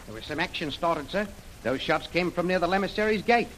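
A dutiful young private reports carefully in a lively, fairly high voice. A faint hiss runs under the old radio recording. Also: male voice, a little fast, poor audio. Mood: reporting. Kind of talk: 1930s radio drama acting.

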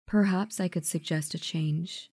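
A man voicing a calm, mysterious noble lady in a mask, speaking in a soft, clear whisper. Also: fairly high pitch, a little slow, dry recording, clean studio sound, pitched above the performer's own voice. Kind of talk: storybook character voice.

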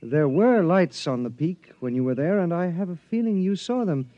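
A man's voice: on the high side, animated, moderate pace, no echo, lightly acted. A man playing a stiff, formal young stranger. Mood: reproachful. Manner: stiff, formal, without contractions. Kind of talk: 1950s radio drama acting. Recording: dull old radio broadcast recording.

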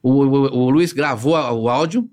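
A man in his fifties, a podcast guest telling stories in an animated, slangy way and acting out the quotes. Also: medium pitch, moderate pace. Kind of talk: storytelling in casual podcast chat.

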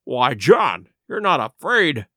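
A man doing an earnest gentleman doctor. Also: mid-range voice, big pitch swings, takes it slowly, no room sound, clean studio sound, heavily acted. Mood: grave. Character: kindly, principled gentleman doctor, middle-aged man.

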